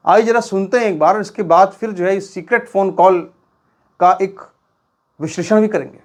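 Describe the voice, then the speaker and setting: A woman's voice: mid-range voice, moderate pace, a little mellow. A woman presenting news commentary to viewers in a colloquial, mocking way.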